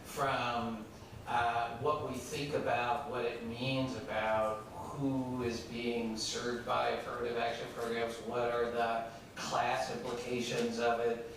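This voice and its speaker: A middle-aged or older man posing a long, discursive academic question from the audience in a deliberate way. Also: mid-range voice, level tone. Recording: very echoey room, distant mic, noisy.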